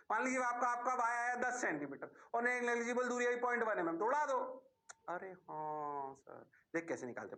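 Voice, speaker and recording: A man teaching physics in a lively lecture, answering his own questions in the students' voice and throwing in drawn-out exclamations. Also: extremely high pitch. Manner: drawn-out exclamations and playful asides. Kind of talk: animated classroom-style lecture.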